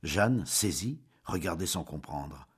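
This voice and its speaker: Deep husky male audiobook narrator. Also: slow pace. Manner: expressive, dramatic storytelling. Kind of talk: literary audiobook reading.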